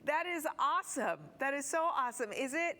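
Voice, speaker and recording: A woman's voice: sits high, expressive, brisk, sharp tone. A woman hosting a broadcast interview in an enthusiastic, gushing manner. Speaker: TV show host.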